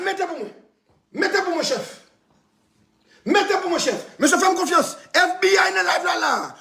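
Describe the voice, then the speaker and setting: A man with a Haitian accent, ranting loudly on a live stream, repeating phrases and laughing between shouts. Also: extremely high pitch, creaky, roomy sound. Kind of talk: heated live-stream rant.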